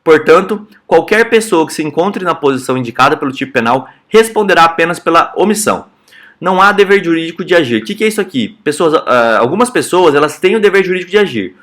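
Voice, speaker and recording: A young Brazilian man teaches criminal law in a relaxed, explanatory lecture, speaking fast in a fairly high, bright, animated voice. His accent is Brazilian Portuguese, and he keeps checking in with students by asking "tá?" and "certo?"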